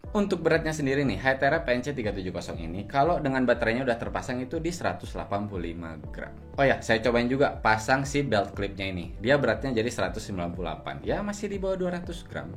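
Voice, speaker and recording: A man's voice: medium pitch, sing-song, fast talker, hardly any pauses, faint music behind. A man giving a casual product review, explaining things colloquially and straight to the viewer. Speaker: host, gadget reviewer.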